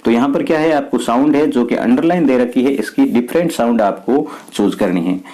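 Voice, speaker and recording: Man explaining an exam paper, mellow voice. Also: mid-range voice, fairly quick, rough recording. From Rajasthan, India. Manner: explains step by step, asks and answers his own questions. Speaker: teacher. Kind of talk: exam paper walkthrough lesson.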